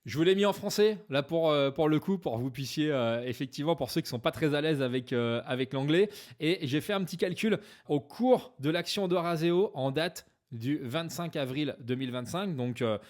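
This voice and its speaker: Guy walking viewers through dividend stocks, bit higher voice, lots of "euh", loose and chatty. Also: moderate pace, darkish tone. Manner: conversational, many "euh" fillers; jokes about his own English accent. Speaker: finance YouTuber. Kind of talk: explaining stock investments to viewers.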